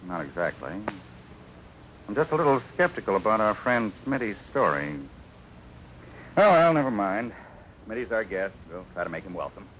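A man's voice: on the low side, sing-song, normal speed, pauses often, a bit bright. An actor playing a kindly, fatherly American ranch boss in a 1950s radio Western. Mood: calm, thoughtful. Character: steady, kindly adult cowboy ranch boss. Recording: muffled, hissy 1950s radio recording.

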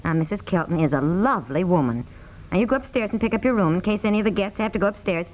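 A woman's voice: medium pitch, expressive, fast, dull audio, natural voice. A woman playing a fretful, harried mother with a flustered manner in a 1950s radio comedy. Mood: firm. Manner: flustered, exasperated. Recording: noisy, hissy 1950s radio recording.

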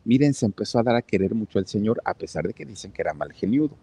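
A man's voice: on the low side, animated, quick pace, mellow, husky. A man with a Mexican accent telling a story casually and talking straight to his listeners, with lots of fillers. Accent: Mexican Spanish. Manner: chatty, talks straight to the listeners, many fillers. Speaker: channel storyteller.

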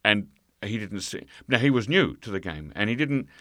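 A man telling a travel story in an interview, halting, full of fillers and restarts. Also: fairly low pitch, big pitch swings, pushed and bright, dry recording, clean studio sound. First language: English. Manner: hesitant, many fillers and restarts. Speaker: guest. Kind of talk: conversational storytelling.

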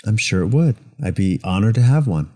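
A man's voice: on the low side, expressive, fairly quick, warm tone. A man co-hosting a business show, bantering lightly and easygoing, with small stumbles. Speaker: co-host.

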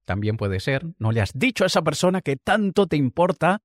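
A man's voice: on the high side, very animated, fairly quick, dry recording, studio quality. A man giving a conversational, reflective motivational talk and drawing on personal examples. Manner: occasional light laughs. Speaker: motivational speaker. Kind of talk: motivational monologue.

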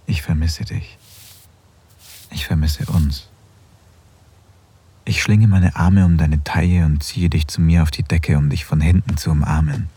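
An actor playing an affectionate married man in an intimate audio drama, speaking softly and close to a whisper. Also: very deep voice, fairly even intonation, a little slow, pauses often, slightly rough, full character voice. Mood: tender. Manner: soft, intimate, often near a whisper. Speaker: husband in an erotic audio drama.

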